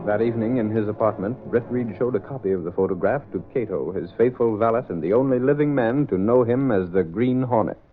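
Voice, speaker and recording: A man's voice: fairly low pitch, fairly quick, few pauses, faint music behind. A male announcer narrating a 1930s radio drama in a dramatic, declamatory way, on a scratchy, narrow old recording.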